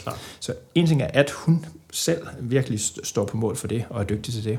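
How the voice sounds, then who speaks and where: A somewhat breathy male voice with lively intonation. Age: 30s. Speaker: vegetarian association secretary general. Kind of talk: podcast interview.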